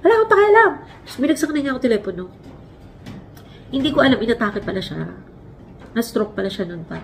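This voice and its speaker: A woman in her forties from the Philippines, hosting a casual vlog and telling stories in an animated way, acting out quotes as she goes. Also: on the high side, brisk, gravelly, slight background noise. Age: 40s. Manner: animated, acts out quotes, laughs while telling. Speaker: vlog host. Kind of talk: casual storytelling chat. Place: home, Canada.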